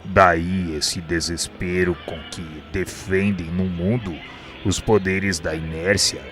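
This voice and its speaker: An actor playing a grave, wise spirit mentor in a radio drama, speaking in a solemn, formal, teaching manner. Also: male voice, deep voice, fairly even intonation, takes it slowly, fairly bright tone, faint music behind. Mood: grave, explanatory.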